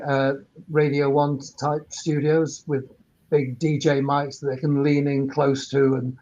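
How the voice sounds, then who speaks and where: A man explaining technical points informally on a webinar, rambling and repeating words, from a microphone a few feet away. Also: mid-range voice. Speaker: sound engineer and workspace operator, panellist. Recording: dull, band-limited webinar audio.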